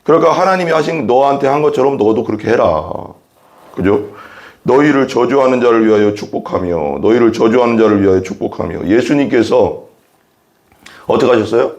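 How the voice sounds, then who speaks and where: A man's voice: medium pitch, a little fast, darkish tone. A man preaching a sermon as a pastor, reading Bible verses and explaining them earnestly, often repeating phrases and asking rhetorical questions.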